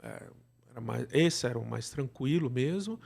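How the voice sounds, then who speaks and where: A man's voice: medium pitch, lively intonation, moderate pace, creaky, a little mellow. A man with a Brazilian accent explaining things in a casual interview, often checking in with short tag questions. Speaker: interview guest, audio drama producer.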